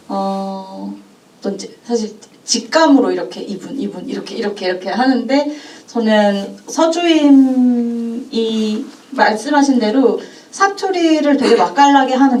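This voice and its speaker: A woman film director explaining her casting choices at a screening talk, measured and searching for words. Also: a little high, a little mellow, far from the mic. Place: cinema auditorium. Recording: echoey cinema, from afar.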